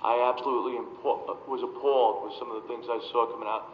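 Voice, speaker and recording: A man's voice: mid-range voice, steady tone, quick pace. A man on a town board voicing emphatic, earnest agreement at a public meeting. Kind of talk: meeting remarks. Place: town hall meeting room. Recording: echoey hall, muffled, faint noise.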